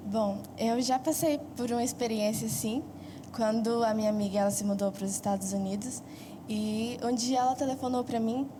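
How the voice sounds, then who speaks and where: A Brazilian woman with a high voice shares a personal story as a student guest. She sounds earnest and a touch hesitant. Clear background noise runs under her voice. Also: fairly even intonation, normal speed. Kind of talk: casual anecdote on talk show.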